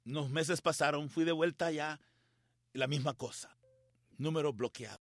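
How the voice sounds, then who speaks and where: A middle-aged man preaching a sermon, telling a personal story with feeling and dramatic pauses. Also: fairly high pitch, no room sound, studio quality. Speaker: pastor.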